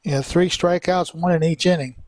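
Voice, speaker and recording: A man's voice: on the high side, steady tone, moderate pace, darkish tone. A man doing live play-by-play commentary of a baseball game in a conversational manner.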